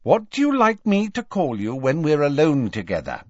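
A man voicing a tired, gentle middle-aged wizard husband who speaks calmly and insists on procedure. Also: a little high, moderate pace, no room sound, voice pushed up. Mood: weary. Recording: dull, dry lo-fi recording.

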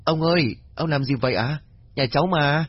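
A man's voice: on the high side, moderate pace, slightly rough, dry recording, lo-fi sound, pitched above the performer's own voice. A man voicing a polite, cheerful young female university student, in a raised voice. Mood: polite, lively. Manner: polite and deferential, raised bright tone.

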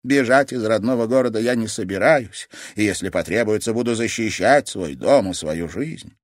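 A stern old grandmother, played by a male audiobook reader, speaks firmly and protectively. Her voice sits higher than his own and moves with lively pitch. The recording is dry and close. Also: brisk, dry recording, close to an everyday voice. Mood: pleading, protective. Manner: firm, protective. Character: stern but loving grandmother, older woman.

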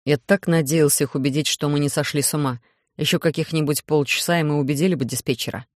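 Reader plays an anxious middle-aged professor, earnest and low-key. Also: steady tone, fast talker, no echo, studio quality, close to an everyday voice. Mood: worried.

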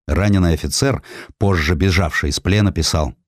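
Reading a historical narrative as an audiobook narrator, a low-voiced man delivers it in a measured, deliberate, dramatic style with weighty pauses. The recording is dry and of studio quality.

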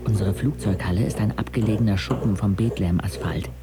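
A man's voice: on the low side, quick pace, music in the background, natural voice. An actor playing a sardonic, observant sixteen-year-old disabled boy who narrates a radio drama frankly and reflectively. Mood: matter-of-fact.

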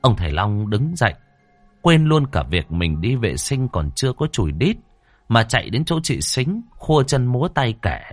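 A man's voice: mid-range voice, sing-song, normal speed, dry recording. A man narrating a horror story with a dramatic, suspenseful delivery. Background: faint background music.

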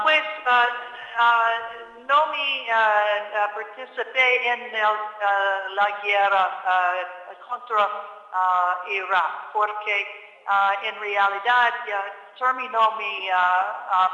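Older American woman, halting slow Spanish. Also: mid-range voice, bright, forceful tone. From United States. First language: English. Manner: halting Spanish, many drawn-out "ah" fillers, slips into English words. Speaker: guest activist. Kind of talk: radio interview. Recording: echoey hall, dull lo-fi sound.

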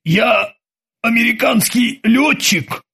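A dazed, bewildered prisoner from a storybook stumbles through his answers very slowly, as a narrator puts him on. The voice is pitched very high and sounds breathy. It wavers up and down. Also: very animated, fairly bright tone, full character voice. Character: dazed, confused male prisoner.

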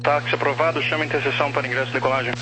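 A man's voice: mid-range voice, steady tone, racing. A Brazilian man working as an air traffic tower controller, giving clipped procedural instructions over aviation radio. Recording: very noisy aviation radio transmission.

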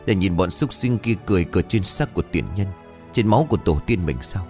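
A man's voice: deep voice, lively intonation, brisk, darkish tone, soft background music. A man voicing a woman in her fifties, old and fierce, giving urgent hissed orders in a horror story. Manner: urgent hissing whisper, hard commands. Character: frightened old village mother, fierce and bitter.

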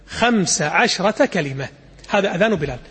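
Male preacher, husky, quick, high-pitched, lively storytelling sermon. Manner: lively, acts out quotes, demonstrates call to prayer recitation. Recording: reverberant hall.

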